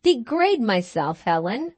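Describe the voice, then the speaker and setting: A woman's voice: fairly high pitch, sing-song, a little slow, a little mellow, dry recording. A woman voicing a peevish, self-pitying young husband who speaks in a sulky, sarcastic way in an audiobook. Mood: irritable.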